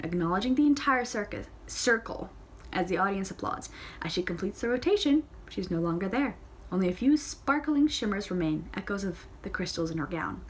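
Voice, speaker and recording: A woman's voice: mid-range voice, slight background noise. A woman reads a novel aloud in a casual way. She often stumbles and corrects herself, and she adds playful side comments of her own. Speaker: audiobook reader.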